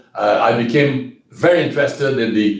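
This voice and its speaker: A man in a Quebec accent at a moderate pace, with audible room echo. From Quebec, Shawinigan area. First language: French. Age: 70s. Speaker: retired diplomat. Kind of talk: interview. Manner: halting, many repetitions.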